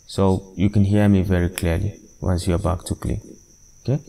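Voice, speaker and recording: A man presents a software tutorial in a low, dark voice with noticeable fry. He explains step by step in an unscripted way, repeating himself and hesitating as he goes. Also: flat delivery, normal speed, slight background noise.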